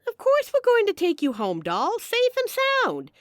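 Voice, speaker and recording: A woman's voice: very high voice, wildly swooping pitch, moderate pace, no echo, studio quality, full character voice. Woman acting a brash, theatrical female mob boss. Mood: apologetic, charming. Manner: wry, flirtatious, theatrical. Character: brash, charming, apologetic female mafia boss. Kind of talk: audio roleplay acting addressed to the listener.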